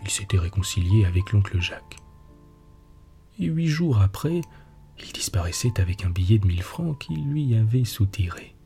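A man narrating a storybook tale in a hushed, husky voice, lifting his voice for quoted lines. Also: on the low side, animated, moderate pace. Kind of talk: storybook reading. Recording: soft music behind the voice.

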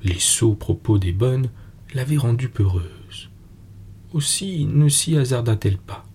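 A man narrating a classic fairy tale in French, measured and unhurried. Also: mid-range voice, animated, dark tone, a little hiss or hum.

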